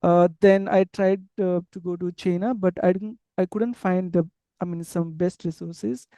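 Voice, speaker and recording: A man's voice: high-pitched, fairly even intonation, moderate pace, mellow, no room sound. A man with an Indian English accent, from Andhra Pradesh, whose first language is an unwritten tribal language, answering interview questions in a casual, hesitant way with many fillers and restarts. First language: tribal language without a script. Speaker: interview guest, English teacher abroad.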